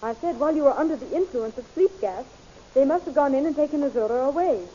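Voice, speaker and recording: An actress playing a concerned, kindly princess in a 1930s radio serial, on a muffled, hissy old recording. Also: female voice, sits high, animated, quick pace, mellow. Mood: reassuring.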